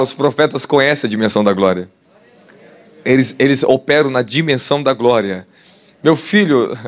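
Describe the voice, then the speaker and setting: A man with a Brazilian Portuguese accent preaching a sermon, animated and laughing, putting questions to the congregation. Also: mid-range voice. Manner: animated, asks the crowd questions, laughs often. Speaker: apostle preacher. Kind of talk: sermon teaching.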